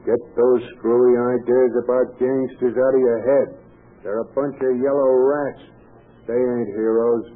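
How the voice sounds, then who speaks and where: A man's voice: medium pitch, fairly even intonation, unhurried, natural voice. An actor playing a rueful, earnest convicted burglar and father in a 1930s radio crime drama, slangy and emphatic. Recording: tinny, noisy 1930s radio recording.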